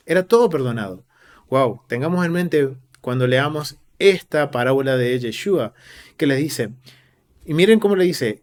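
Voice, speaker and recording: Argentine guy doing a bible study, kinda high voice, reads verses out slow and earnest. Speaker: Bible teacher. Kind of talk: Bible study teaching, reading scripture aloud.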